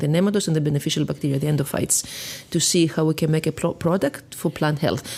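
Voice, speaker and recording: Over noticeable background noise, a woman speaks with a Greek accent. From northern Greece, Florina. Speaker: scientist, research director. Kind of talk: interview. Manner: enthusiastic.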